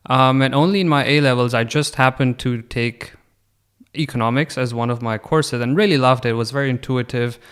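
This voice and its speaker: A man in his twenties from Pakistan, a podcast guest telling his story in a relaxed, reflective way. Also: mid-range voice, a little fast, clean tone. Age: 20s. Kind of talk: casual interview chat.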